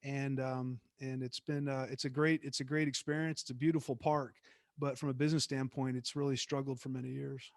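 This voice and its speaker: A middle-aged man, a guest speaker, telling stories from his career in a relaxed, reflective way with frequent restarts. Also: medium pitch, brisk, no echo, clean studio sound. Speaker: guest speaker, former theme park executive. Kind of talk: conversational class talk.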